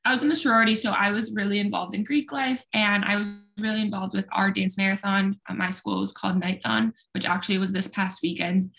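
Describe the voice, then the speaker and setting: A woman's voice: mid-range voice, steady tone, quick pace, vocal fry, hardly any pauses, a bit bright. A young woman whose first language is Spanish, chatting casually about her college years with lots of fillers. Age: young adult. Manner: chatty, rambling with many fillers. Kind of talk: casual chat.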